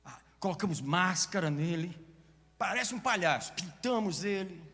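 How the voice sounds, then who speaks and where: A man with a Brazilian Portuguese accent preaching a sermon as pastor, swinging from hushed whispers to loud shouts. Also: sits high, expressive, moderate pace, long reverb tail.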